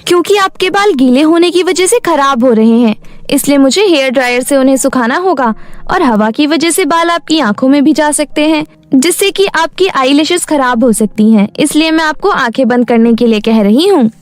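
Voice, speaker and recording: A woman's voice: high voice, normal speed, no echo, close to an everyday voice. A woman voicing a polite, persuasive young female hairstylist in a cartoon story. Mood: polite, coaxing.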